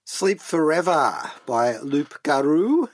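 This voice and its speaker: A man's voice: a little high, very animated, takes it slowly, no echo. A man chatting as a radio co-host and reviewer, hesitantly repeating words as he goes. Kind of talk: conversational review chat. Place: radio studio.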